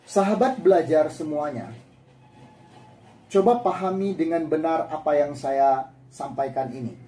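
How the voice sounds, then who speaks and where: Man, teacher, explains slowly, demonstrates intonation, warm mellow tone. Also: fairly high pitch, roomy sound. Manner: demonstrates intonation by repeating words. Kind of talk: classroom lecture.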